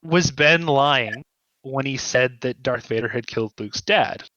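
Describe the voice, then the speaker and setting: Man, guest writer, bright tone, conversational, thoughtful stop-start delivery, dry slightly dull recording. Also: medium pitch, no room sound. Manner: thoughtful, halting, often checks with "right?". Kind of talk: conversational interview, explaining ideas.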